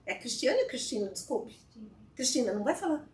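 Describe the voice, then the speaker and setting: A high-voiced woman, guest speaker at a spiritist fellowship, gives an informal spiritual talk to a live audience in a lecture hall, talking fast, animatedly and chattily while often asking "né?". The hall is echoey, the mic is set back at a distance, and there's a little hiss or hum.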